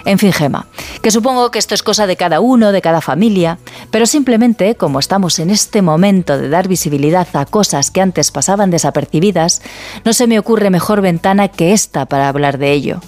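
A woman reading a heartfelt reflective piece for a radio show. Her voice is low, and she lays out her points in a measured, list-like way over faint music. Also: a little mellow. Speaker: radio contributor. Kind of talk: read reflective commentary.

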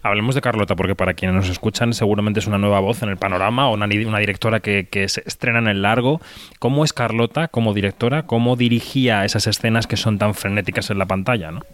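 Quick-talking male film interviewer. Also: fairly low pitch, fairly even intonation, a bit bright. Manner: long, fluent, well-formed questions. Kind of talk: interview questions.

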